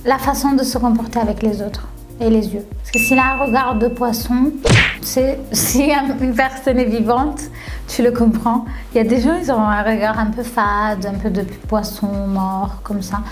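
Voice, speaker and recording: A woman's voice: on the high side, fairly even intonation, moderate pace, rough recording. Chatty young woman, laughing aside. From Tunisia. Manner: chatty, laughs often, repeats words. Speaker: reality TV contestant. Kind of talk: casual confessional interview. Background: faint background music.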